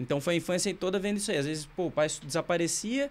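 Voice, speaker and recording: Speaking at a very fast pace, a man with a high-pitched voice uses ordinary pitch variation. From Santa Catarina, Brazil. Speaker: former prisoner turned evangelical author; podcast guest. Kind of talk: testimony; interview answer, personal story. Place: studio. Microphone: studio mic.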